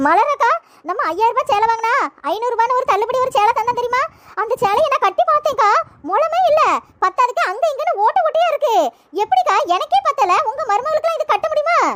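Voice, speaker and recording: In a cartoonish character voice, a woman speaks at a moderate pace with an extremely high pitch and lively intonation. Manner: chatty, familiar.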